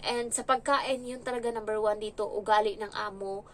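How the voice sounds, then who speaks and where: A woman's voice: medium pitch, normal speed. Chatty woman telling a frank story. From Philippines. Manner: chatty, frank, animated when retelling. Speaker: vlogger, domestic helper. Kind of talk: casual storytelling vlog.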